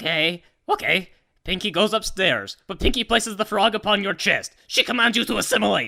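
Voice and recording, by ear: A cartoonish character voice, pitched fairly high, moves along at a fairly quick pace.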